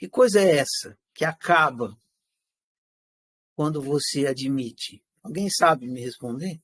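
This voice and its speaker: A high-pitched man leads a live class. He is animated and asks rhetorical questions that he answers himself. He also acts out everyday lines in quotes. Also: unhurried, husky. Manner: animated, switches into acted quotes of everyday speech. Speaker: teacher.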